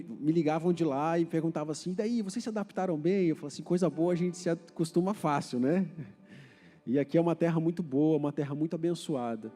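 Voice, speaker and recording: A man's voice: on the high side, dark tone, in a large hall. A man from Paraná, Brazil, with a Paraná Brazilian Portuguese accent, preaching a sermon in a church and putting questions to the congregation. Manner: conversational, asks the congregation questions. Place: church hall.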